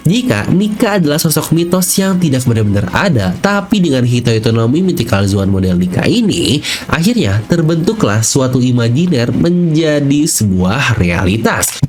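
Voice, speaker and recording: A man's voice: medium pitch, darkish tone, a little hiss or hum. An Indonesian man hosting an explainer in a casual, emphatic style, using rhetorical questions and colloquial phrasing. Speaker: YouTube host. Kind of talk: casual explainer narration of anime theories.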